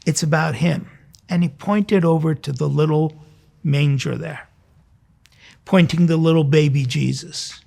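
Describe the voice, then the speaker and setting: A man's voice: on the high side, steady tone, unhurried, vocal fry, dark tone. A man in his sixties, a priest hosting a religious program, gives a conversational sermon through earnest, informal personal storytelling.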